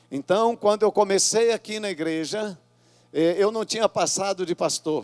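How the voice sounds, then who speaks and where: The sound is dry and close, with no echo. A man talks in a high pitch with ordinary pitch variation. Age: 60s. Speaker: pastor. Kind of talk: sermon. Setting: church. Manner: interactive, call-and-response with congregation.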